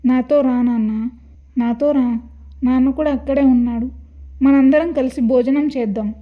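A woman's voice: sits high, steady tone, moderate pace, lo-fi sound, lightly acted. A woman voicing a female ghost who poses as a boy's mother, coaxing and menacing in a storybook. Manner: coaxing then threatening.

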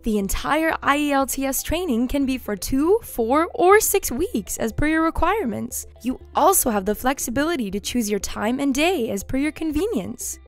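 A woman's voice: sits high, expressive, normal speed, hardly any pauses, soft background music. Young woman reading commercial narration. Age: young adult. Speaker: voice actor.

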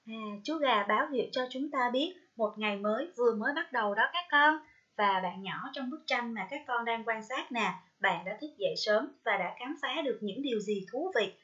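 A woman primary school teacher from Vietnam giving a recorded reading lesson to first graders, gently sounding out words slowly, syllable by syllable. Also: a little high. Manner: slow, careful syllable-by-syllable pronunciation drills; gentle, coaxing address to young pupils. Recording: dull lo-fi recording.

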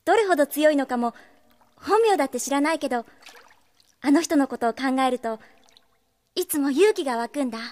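A spirited young female shop manager in a radio drama. She has a high, girlish voice and speaks frankly, with wistful admiration. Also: expressive, fairly quick, pauses often, a little mellow. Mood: admiring, sincere. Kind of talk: Japanese radio drama acting.

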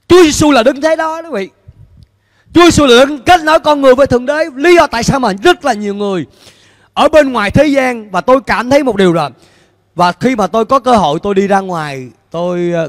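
High-voiced preaching man, lively. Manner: animated preaching, questions to the congregation, gestures with free hand. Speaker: pastor. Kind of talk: sermon. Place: church stage before a large screen, indoors. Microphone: handheld mic. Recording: long hall reverb in a large church.

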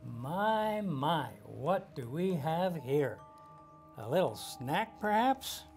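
A woman's voice: deep voice, very animated, slow, a little mellow, faint music behind, full character voice. A woman voicing a sly, hungry dragon villain in a puppet show, with a scheming, sneering manner.

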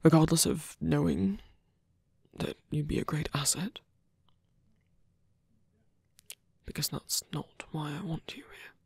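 A man playing a guarded, lovestruck villain in an ASMR roleplay, halting and tender, with a breathy voice that often drops to a whisper. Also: fairly high pitch, steady tone, no echo, exaggerated voice. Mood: earnest, nervous. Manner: halting, hesitant delivery with pauses. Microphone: close dry microphone.

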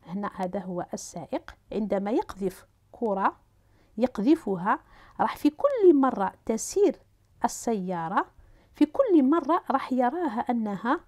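A woman with an Algerian Arabic accent teaching a physics lesson, talking students through each step as she writes and draws, pausing with fillers and restarting. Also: fairly high pitch, darkish tone.

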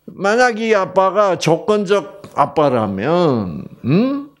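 A middle-aged man giving a Bible lecture, asking his audience rhetorical questions and dropping into soft whispers. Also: sits high, very animated, takes it slowly.

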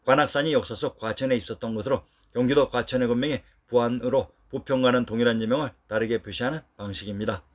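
A man reading a scripted historical narration, listing place names in a steady, measured voice. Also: mid-range voice.

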